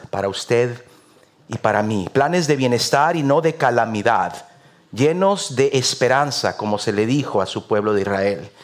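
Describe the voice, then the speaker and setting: A man with a Mexican Spanish accent, a visiting pastor preaching a sermon in an earnest, rhythmic way with repeated amens. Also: medium pitch.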